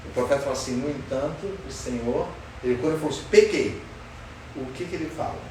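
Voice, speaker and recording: A man's voice: medium pitch, fast talker, mellow. A man teaches a Sunday school Bible lesson, questioning his class in an emphatic way. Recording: roomy far-off sound with faint noise.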